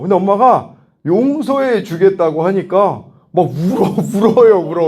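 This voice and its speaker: A youth pastor from South Korea tells family stories in his sermon, laughing often. His voice sits high and leaps up and down as he acts out quotes. He preaches with playful, animated energy.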